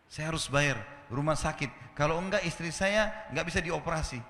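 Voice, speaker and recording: A man with a bright, high-pitched voice tells a story as a sermon, switching into the voices of his characters. His words ring out with a long reverb, as in a large echoing hall. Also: brisk, slight background noise. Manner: acts out quoted voices with rising pitch. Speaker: preacher.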